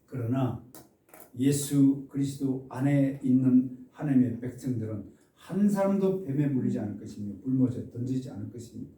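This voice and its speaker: A man preaching an expository sermon as a pastor. He stresses key words with loud exclamations and asks the congregation questions. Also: mid-range voice, moderate pace. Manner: asks the congregation questions and has them repeat phrases. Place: church sanctuary. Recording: echoey church room, mic at a distance.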